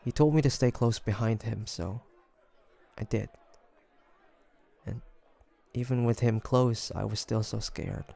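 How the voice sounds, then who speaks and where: A man's voice: on the low side, fairly even intonation, measured pace, gravelly, pauses often, mellow, some chatter behind. A man playing a young demon hunter in an audio roleplay, flustered and haunted, speaking in hesitant, stammering phrases. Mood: haunted, grave. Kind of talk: scripted audio roleplay monologue.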